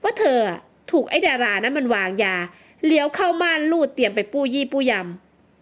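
A woman's voice: high-pitched, big pitch swings, normal speed, a bit bright. A woman voicing a hot-tempered young woman who scolds bluntly and sarcastically. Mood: scolding.

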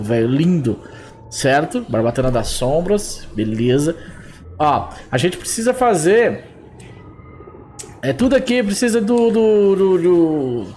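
Excitable man, high lively voice. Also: slight background noise. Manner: excitable, exclaiming often. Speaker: gameplay streamer. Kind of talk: excited gameplay commentary.

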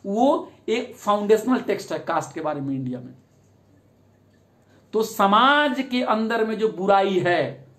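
High-voiced man giving a fervent talk. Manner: rhetorical, keeps challenging listeners with questions. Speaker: speaker on social justice. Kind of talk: impassioned public talk.

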